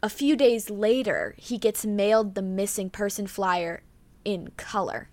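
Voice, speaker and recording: A young woman talks through a true-crime case on her podcast in a loose, rambling way, leaning on "like" and "um" and reading from her notes. Her voice is mid-pitched and close to the mic. The sound is dry, with no room around it. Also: fairly even intonation, measured pace, a little mellow, no echo. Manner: chatty, full of "like" and "um", reads notes aloud. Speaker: podcast co-host. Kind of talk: casual true-crime chat.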